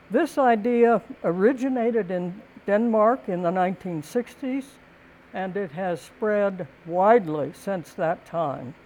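An older woman giving a prepared talk in a calm, gentle, deliberate way, with thoughtful pauses between phrases. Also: mid-range voice, a little hiss or hum, low-quality recording. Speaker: speaker giving a talk on community and housing.

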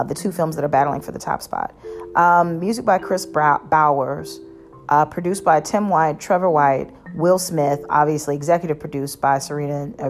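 A woman hosting a casual solo podcast, chatting in a rambling way with many fillers and restarts. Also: low-pitched. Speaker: podcast host.

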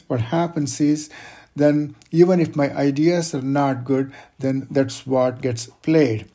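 Husky, mellow-voiced man giving career advice. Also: mid-range voice. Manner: measured, explanatory, uses examples and lists. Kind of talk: interview advice talk.

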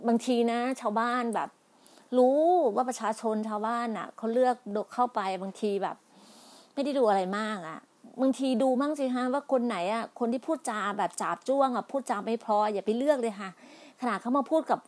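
A woman's voice: fairly high pitch, fairly quick, darkish tone. A middle-aged woman speaking in a heated political monologue, scolding and pleading by turns, with many restarts and repetitions. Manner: emphatic, scolding, repeats herself with many restarts; polite particles, pleading then indignant.

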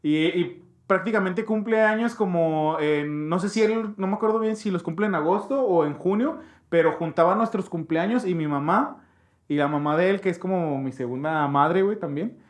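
A man's voice: high voice, normal speed. A young man with a Mexican accent tells a childhood story in casual, slangy chat, jumping into voices to mimic people.

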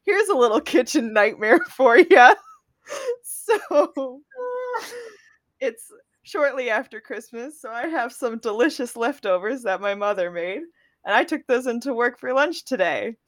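A woman's voice: on the high side, a little slow, no echo, clean studio sound. A woman co-hosting a casual podcast chat, telling stories with frequent laughter. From New England. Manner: laughing, animated storytelling. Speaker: podcast co-host.

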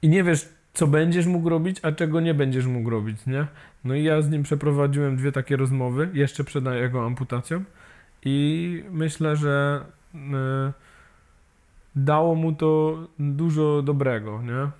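A man with a slightly high, somewhat mellow voice, an amputee who volunteers in peer support, chats casually in an interview. He hesitates a lot while hunting for words, halting with many fillers and restarts, and tends to finish with tag questions.

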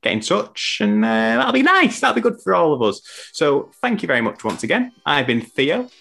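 A man's voice: high-pitched, huge pitch swings, moderate pace, gravelly, fairly bright tone, slightly rough, soft background music. A young man hosting a casual sports podcast over a video call, chatty and rambling, often correcting himself. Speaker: podcast host.

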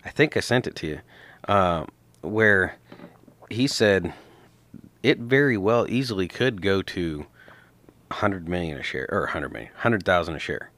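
Deep-voiced joking podcast co-host. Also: male voice, animated, moderate pace, pauses often, fairly bright tone. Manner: joking, teasing banter. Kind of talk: casual chat about stocks.

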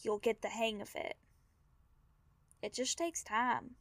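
A woman plays an earnest young Fae companion in an audio drama. She speaks slowly in a fairly high voice, sincere, reassuring and plain-spoken. The sound is close and very dry. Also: steady tone, a bit bright, no room sound.

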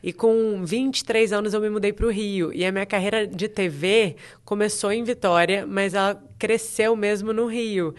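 A smooth, clear-voiced woman, talking freely as a podcast guest. She speaks at a middle pitch for a woman and tells stories in a chatty, lively way, laughing easily. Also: normal speed, few pauses. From Brazil, grew up in Espírito Santo. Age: 30s. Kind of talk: casual interview chat.

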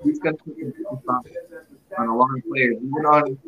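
A man in casual sports chat on an online call, his voice garbled and underwater-sounding as his connection breaks up, talking haltingly with many fillers. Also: medium pitch, huge pitch swings, creaky, a crowd in the background. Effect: garbled underwater sound from a breaking-up internet connection. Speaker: podcast panelist. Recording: muffled, roomy call audio over bad wi-fi.

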